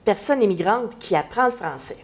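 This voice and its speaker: A woman hosts a local TV interview. She asks questions in a friendly way, with many pauses and fillers. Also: mid-range voice, lively intonation, breathy edge. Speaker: host. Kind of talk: television interview.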